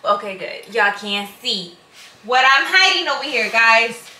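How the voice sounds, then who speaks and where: A woman's voice: a little high, lively intonation, measured pace, bright, forceful tone, slight background noise, poor audio. A young woman from Houston, Texas, chatting casually and informally as a vlog host in her home kitchen. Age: young adult. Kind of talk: casual vlog chat while cooking. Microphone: handheld or counter-set camera.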